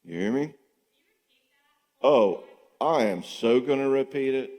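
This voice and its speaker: An older man, a psychologist, giving an animated conference talk in a church, asking rhetorical questions and acting out quoted voices. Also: medium pitch, takes it slowly. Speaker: psychologist speaking at a marriage conference. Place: church sanctuary. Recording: long church hall reverb.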